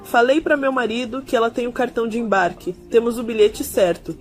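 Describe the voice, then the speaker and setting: A woman's voice: fairly high pitch, fairly even intonation, a little fast. A mother giving an earnest religious testimony of a vision, often repeating her words. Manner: earnest, repetitive retelling.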